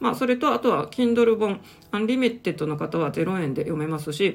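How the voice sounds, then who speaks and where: A woman with a normal speaking voice talks fairly quickly, her intonation lively. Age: 40s. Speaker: career counselor and podcast host. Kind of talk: solo podcast talk.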